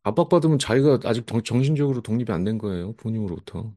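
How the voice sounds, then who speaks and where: A man's voice: lively intonation, racing, warm tone. A man in his forties hosting a live stream, bluntly answering viewers' questions and mimicking them in a raised voice. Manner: blunt, scolding, mimics viewers and parents in higher voice. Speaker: livestream advice host.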